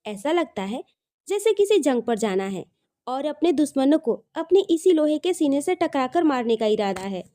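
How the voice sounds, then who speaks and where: Woman voicing a feisty, high-pitched young woman. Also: very animated, moderate pace, mellow. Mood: pained, complaining. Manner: scolding, dramatic, mixing in English words. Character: feisty, indignant young woman hotel employee, proud and dramatic. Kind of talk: dramatised audio love story dialogue.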